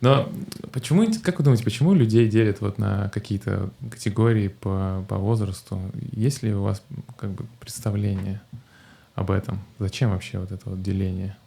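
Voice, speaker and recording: A middle-aged man hosting a casual group podcast, joking and laughing often, halting with fillers. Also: on the low side, steady tone, creaky, warm tone, breathy edge. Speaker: podcast host.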